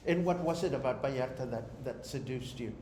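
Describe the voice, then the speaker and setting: A man's voice: mid-range voice, fairly quick. A man hosting a live interview show, playful and chatty, drawing out his phrases. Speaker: talk show host. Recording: echoey room with background noise.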